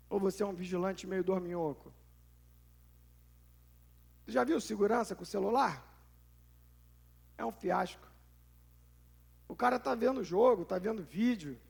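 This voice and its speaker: A man's voice: sits high, vocal fry, husky. A male pastor with a Brazilian Portuguese accent preaches a conversational sermon, firing rhetorical questions and acting out little scenes.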